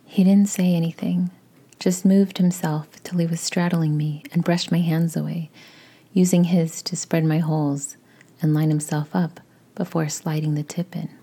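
A woman tells a story in the first person, almost entirely in an unvoiced whisper. Her voice sits low and mellow, with a husky, airy texture, and her delivery stays slow and intimate throughout. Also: level tone. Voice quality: breathy whisper.

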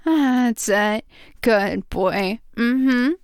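A woman performing intimate adult roleplay as a dominant, affectionate lover, murmuring drawn-out praise and sometimes slipping toward a whisper. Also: a little high, clean tone, dry recording, clean studio sound. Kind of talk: intimate erotic audio roleplay addressed to the listener.

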